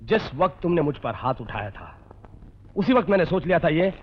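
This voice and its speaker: A moody young lover. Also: male voice, a little high, sing-song, fairly quick, muffled recording, slight background noise. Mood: sulky. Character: hot-headed young man in love. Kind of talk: 1980s film drama acting.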